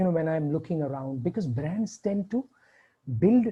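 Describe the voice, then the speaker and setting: Speaking at a moderate pace with an Indian accent, this voice moves through very wide pitch swings. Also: man. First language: Hindi. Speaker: marketing and communications expert. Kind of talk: webinar talk.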